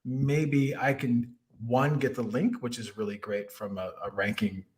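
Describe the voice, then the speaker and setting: Male podcast host, mid-pitched, loose and conversational with frequent fillers. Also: steady tone, measured pace, a little mellow. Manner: conversational, many fillers and restarts. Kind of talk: casual interview chat.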